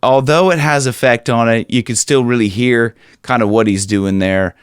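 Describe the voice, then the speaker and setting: A man's voice: mid-range voice, moderate pace, no room sound, studio quality. A man in his forties from Ohio, teaching a singing lesson in a chatty, loose way and now and then singing lines to demonstrate. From Ohio, USA. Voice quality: raspy in his upper singing range. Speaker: vocal coach. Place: small room with a dark curtain behind. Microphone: studio microphone on a stand, headphones on.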